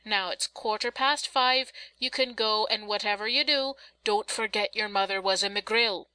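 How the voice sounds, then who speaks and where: A woman's voice: medium pitch, normal speed, bright, forceful tone, clean tone, no room sound, close to an everyday voice, low-quality recording. A woman voicing a bossy, sarcastic but loving working-class mother who scolds and instructs in folksy rustic dialect, as in a storybook reading. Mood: good-natured.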